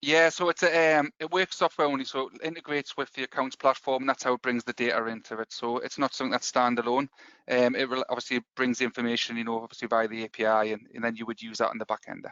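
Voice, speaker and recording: A man talks at a very fast pace with hardly any pauses. His pitch variation is ordinary. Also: medium pitch for a man. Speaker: software company representative. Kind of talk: webinar presentation. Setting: online webinar.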